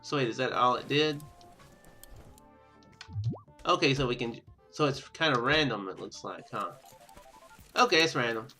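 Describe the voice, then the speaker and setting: Bright-voiced man narrating a video game. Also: mid-range voice, moderate pace, long pauses, faint music behind. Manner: rambling, thinking out loud. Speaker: gaming video host. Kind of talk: casual let's play commentary, reading game text aloud.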